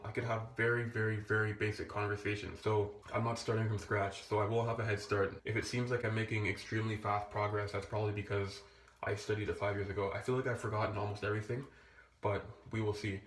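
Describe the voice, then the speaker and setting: A young man talking casually to camera as a language-learning vlogger, rambling and restarting his sentences. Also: on the low side. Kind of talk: casual vlog talk. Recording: echoey room.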